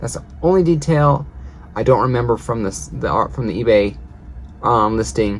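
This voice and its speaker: There is noticeable background noise as a man talks at a fairly low pitch. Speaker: comic book collector YouTuber. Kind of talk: casual unboxing video monologue. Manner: halting, self-correcting.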